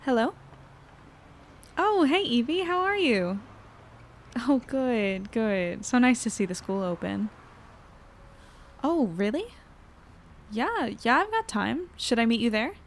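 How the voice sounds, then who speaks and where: A woman's voice: a little high, expressive, slow pace, long pauses. A woman playing a friendly, self-doubting small-town newspaper editor in an audio drama, with a casual, hesitant delivery. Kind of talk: naturalistic audio drama acting.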